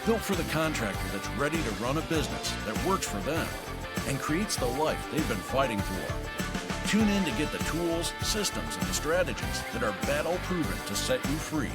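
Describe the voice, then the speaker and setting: A man's voice: fairly high pitch, very animated, normal speed. A man announcing a show intro in a scripted promo style, with punchy, emphatic slogans. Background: loud music.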